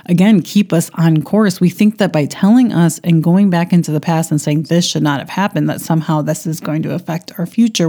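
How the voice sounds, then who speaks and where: A woman's voice: fairly low pitch, warm tone. A woman hosting a self-help podcast, talking through ideas in a reflective coaching tone with personal stories, often restarting and repeating phrases as she thinks aloud. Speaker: podcast host.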